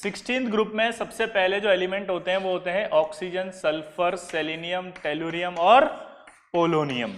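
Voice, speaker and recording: High-voiced man teaching chemistry. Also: steady tone, normal speed, a bit bright, big-room sound. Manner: quizzes listeners with repeated questions. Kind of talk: classroom lecture.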